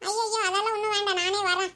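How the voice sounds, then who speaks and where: A woman voicing a high, quick young village wife. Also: little pitch movement, sharp tone. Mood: protesting. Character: young village wife, gentle, mildly protesting. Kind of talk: cartoon voice acting.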